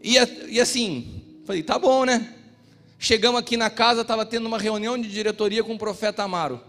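High-voiced Brazilian pastor preaching in a reverberant hall. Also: male voice, steady tone, fairly quick. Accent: Brazilian Portuguese. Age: middle-aged. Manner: impassioned, shifts between loud exhortation and quiet storytelling. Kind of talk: sermon with personal stories. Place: church. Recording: reverberant church hall with music.

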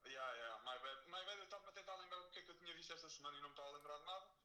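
A man, co-hosting a casual chat with slang and halting, repeated phrases. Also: a little high, pushed and bright. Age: 20s. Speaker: podcast co-host.

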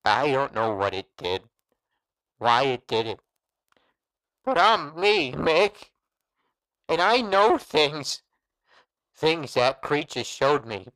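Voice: mid-range voice, wildly swooping pitch, creaky, fairly bright tone, no room sound, heavily acted, low-quality recording. An actor playing a monstrous creature posing as a gangster's trusted friend in a noir horror audio drama, insistent and coaxing. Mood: insistent, grave. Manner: slow, deliberate, insistent, coaxing.

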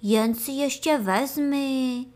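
A woman's voice: a little mellow, close to an everyday voice. A woman doing cooing, sweet worker bees. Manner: high, cooing, sing-song baby talk.

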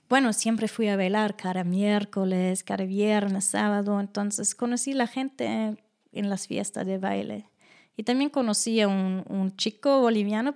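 A young German woman speaks Spanish with a clear German accent, relaxed and conversational as an interview guest. She tells anecdotes and jumps up in pitch when she mimics other people. Her voice sits in a middle register for a woman. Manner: animated, acts out quoted voices with high pitch jumps. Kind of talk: casual interview storytelling.

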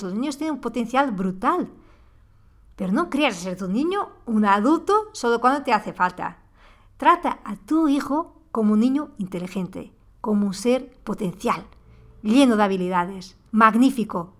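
A woman hosts a parenting podcast in a monologue aimed straight at the listener, her voice slightly higher than most women's. She sounds earnest and quickly grows impassioned.

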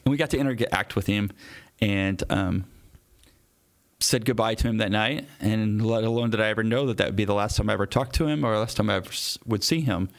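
A man's voice: on the low side, vocal fry. Earnest man telling a personal story. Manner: earnest, animated retelling with acted-out quotes. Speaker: police officer.

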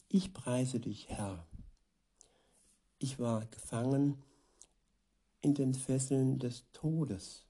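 A man preaching in a devotional style, reading scripture and commenting on it. His voice is very dark and mellow, with a husky, breathy edge. He speaks extremely slowly and deliberately, often repeating lines. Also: mid-range voice. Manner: slow, measured, repeats verses for emphasis.

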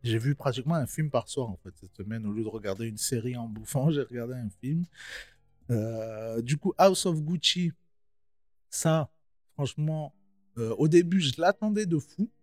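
A man's voice: mid-range voice, normal speed, a little mellow, no echo, clean studio sound, faint music behind. A young man giving a casual film review, slangy and chatty, talking straight to his viewers.

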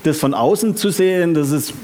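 A man preaching a sermon, often asking the congregation questions and speaking with lively emphasis. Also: on the high side, normal speed.

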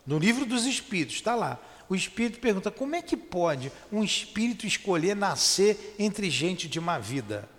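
Animated high-voiced man teaching. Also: normal speed, few pauses. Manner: emphatic, asks and answers his own questions. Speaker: spiritist teacher. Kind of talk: didactic explanation with rhetorical questions. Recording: reverberant room.

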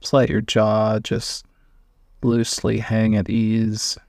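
A man leads a guided meditation at a very slow pace, leaving long gaps between short phrases. His calm voice has plenty of gravelly fry and stays level in pitch. He is heard up close, in a measured, instructional manner. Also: dry recording.

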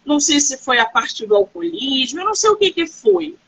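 A woman author hosts a live-stream interview, asking her guest questions in an animated, friendly way and telling stories to the viewers. Her voice is high, bright and forceful. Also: brisk, poor audio. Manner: animated, reassuring, storytelling.

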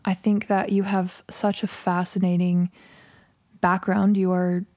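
A woman's voice: lowish voice, flat delivery, a little slow, a little mellow, no echo. A woman hosting a casual interview, upbeat and affirming, asking questions with lots of encouraging murmurs. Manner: enthusiastic, affirming, frequent "mm". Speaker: podcast host.

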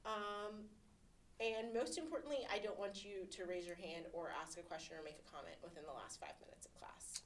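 A woman's voice: medium pitch, a little fast, a little hiss or hum. A woman in her twenties chatting casually as a podcast co-host, telling stories in a candid, sarcastic way. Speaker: podcast co-host, law student. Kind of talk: casual chat.

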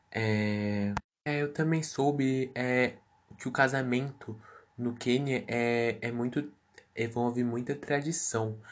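A man hosting a podcast interview, asking questions slowly with hesitant fillers. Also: mid-range voice.

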